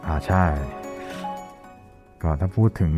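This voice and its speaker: A man's voice: takes it slowly, darkish tone, dull audio, soft background music. A man co-hosting a show in polite, casual chat, speaking through a face mask. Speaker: podcast co-host.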